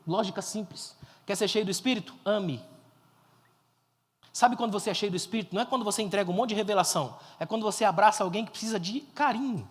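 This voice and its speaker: A man preaching a fervent sermon as a pastor, swelling to loud emphasis and quizzing the crowd. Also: high-pitched, fast, breathy edge. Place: church conference hall. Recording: long hall reverb.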